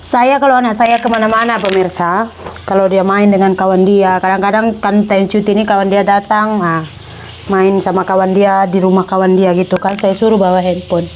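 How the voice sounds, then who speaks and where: A woman's voice: mid-range voice, flat delivery, normal speed, a little hiss or hum. A woman chatting casually to camera as a vlogger, slipping English words into her talk.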